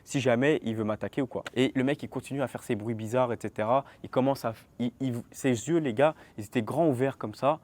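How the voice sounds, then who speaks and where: A man in his twenties, telling an animated story straight to his viewers in a casual storytime vlog. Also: medium pitch, brisk, hardly any pauses. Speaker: vlogger.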